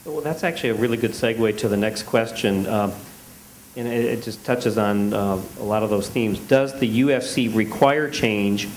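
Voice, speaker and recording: A man's voice: fairly low pitch, moderate pace, darkish tone, a little hiss or hum, rough recording. A man moderating a panel discussion, reading out audience questions with casual fillers.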